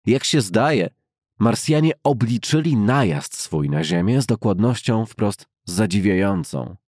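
A man reads a novel aloud as an audiobook narrator. His voice sits fairly low and has a husky grain. The delivery is measured and formal, in a literary storytelling style, captured close and dry with no room sound. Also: lively intonation, darkish tone, no echo.

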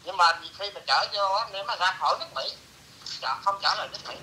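Bright-voiced middle-aged man telling a story. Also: sits high, fast, slight background noise, poor audio. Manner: lively, mixes in broken English phrases. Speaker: interviewee. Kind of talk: casual storytelling.

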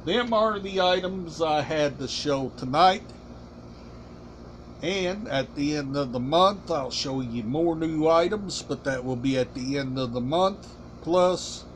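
A middle-aged man hosting a casual collection vlog, talking deliberately in short, halting, emphatic phrases. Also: a little high, a little hiss or hum. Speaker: collection channel host. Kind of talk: casual show-and-tell vlog. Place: small room indoors.

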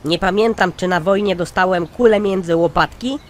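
A man's voice: high-pitched, normal speed, natural voice. Man playing a blunt, cheeky old cartoon codger. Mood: matter-of-fact. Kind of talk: cartoon comedy sketch dialogue.

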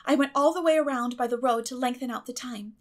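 Woman doing a theatrical little girl for an audiobook, high breathy voice, super dramatic and wordy. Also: fast, lightly acted. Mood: theatrical confessing. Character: dramatic, imaginative young girl, pleading and theatrical.

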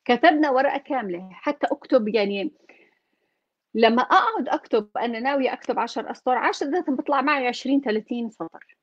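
Fast-talking woman, dry dull sound. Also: high-pitched, expressive, no echo. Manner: instructive, walks through steps, acts out example self-talk. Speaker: guest coach. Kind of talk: practical how-to talk.

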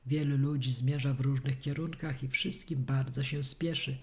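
A woman reading a detective story aloud as a steady first-person audiobook narration. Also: a bass voice, normal speed. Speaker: audiobook reader.

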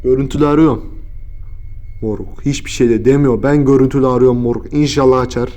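A man's voice: mid-range voice, steady tone, quick pace. A young man filming a scare prank vlog, talking in slang and swinging from mutters to frightened yelps. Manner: slangy, exclaiming, swings between mumbling and yelling. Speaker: YouTuber.

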